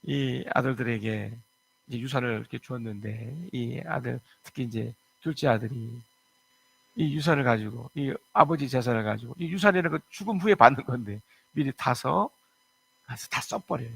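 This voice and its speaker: A man's voice: mid-range voice, normal speed, vocal fry, a bit bright, husky, rough recording. A man preaching a church sermon as pastor, reading scripture verses aloud and retelling a parable in earnest.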